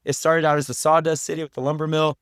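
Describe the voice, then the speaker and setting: American man, slightly high pitch, dry sound, conversational storytelling, earnest, explanatory, interview guest. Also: little pitch movement, fast talker, a bit bright, clean tone, no echo. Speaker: podcast guest, documentary director.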